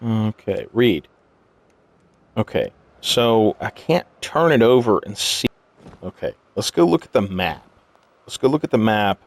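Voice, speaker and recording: A sleep-deprived man thinking aloud as he plays a puzzle game, muttering haltingly to himself in casual commentary. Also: lowish voice, sing-song, creaky, no echo. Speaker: gaming video host. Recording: music behind the voice. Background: game music.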